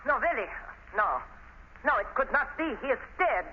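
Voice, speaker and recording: An actress playing a frightened foreign widow and stage knife thrower in 1930s radio style, with accented, halting, dramatic broken English. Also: female voice, sits high, sing-song. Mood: alarmed. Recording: noisy, dull 1930s radio recording.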